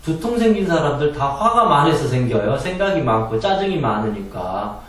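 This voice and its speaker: A man lectures on meditation and letting go of anger, speaking in an earnest, explanatory way with rhetorical questions. His pitch moves a lot as he explains. He is heard from a distant mic in a very echoey room. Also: sing-song, normal speed. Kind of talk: spoken lecture on calming anger.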